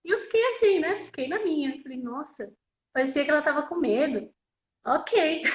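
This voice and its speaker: A woman's voice: high voice, roomy sound, low-quality recording. A woman interpreting live, voicing a deaf signer's personal story in the first person, in a conversational way with frequent tag questions and repeated phrases.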